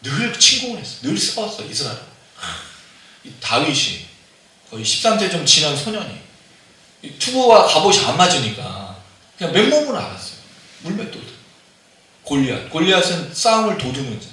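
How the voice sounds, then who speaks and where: A man preaches in a lively, conversational way, often turning to the congregation with questions. His fairly high, bright voice swings widely in pitch. The sound is very echoey, picked up by a microphone set at some distance. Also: normal speed, long pauses. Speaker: pastor. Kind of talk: sermon. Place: church sanctuary. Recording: very echoey hall, mic at a distance.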